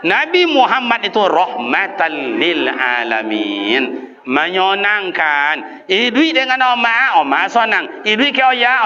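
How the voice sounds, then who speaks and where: A man with a Kampar Minang Malay accent preaching a lively sermon in a mosque, chanting lists and imitating sounds and calls. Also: high voice, dull audio, slight background noise. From Riau, Indonesia.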